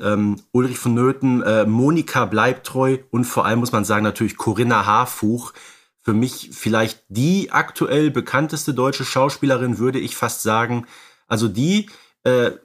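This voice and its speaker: A man's voice: mid-range voice, a bit bright. Conversational male podcast co-host. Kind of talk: casual film analysis.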